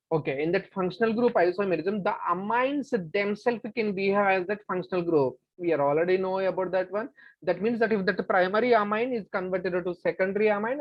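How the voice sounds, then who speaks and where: A woman's voice: medium pitch, no echo, lo-fi sound. A woman teacher with a South Asian accent explains step by step in a classroom-style lesson, repeating herself and answering her own questions. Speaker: chemistry teacher.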